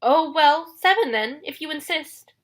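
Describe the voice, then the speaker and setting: A woman voicing a nervous male satyr posing as a sweet bride, in a coy, flustered falsetto for a storybook. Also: animated, a little slow. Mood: nervous, placating.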